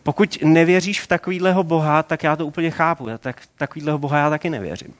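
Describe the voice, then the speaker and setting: A man in his forties preaching a sermon in a relaxed, conversational way, asking rhetorical questions. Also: a little high.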